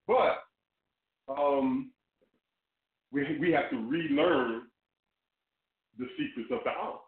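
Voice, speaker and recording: A man on a phone speakerphone as a call-in guest, talking about spiritual ideas in a halting way and often repeating words. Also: mid-range voice. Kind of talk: casual spiritual discussion. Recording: tinny, echoey speakerphone line.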